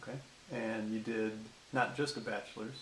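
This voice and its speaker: A man who is a teacher, interviewing guests with brisk, friendly questions. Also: fairly low pitch, little pitch movement, a bit bright, reverberant, recorded from a distance, a little hiss or hum, poor audio.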